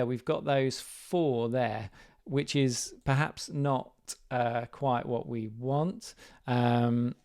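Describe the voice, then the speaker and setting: A man with a slightly croaky voice, thinking aloud and correcting himself as he demonstrates software live. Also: mid-range voice. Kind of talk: live screen-share walkthrough.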